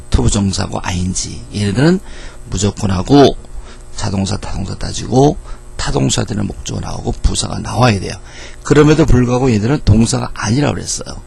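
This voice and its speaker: A middle-aged man teaching English grammar in a lively lecture, asking questions and answering them himself. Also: lowish voice, fairly quick, creaky, slightly rough. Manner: lively, asks and answers his own questions.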